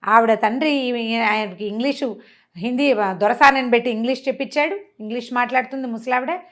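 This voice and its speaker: A woman storyteller retelling a story in a conversational, expressive way, mixing in some English words. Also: fairly high pitch, fairly quick. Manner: expressive, acts out characters' dialogue.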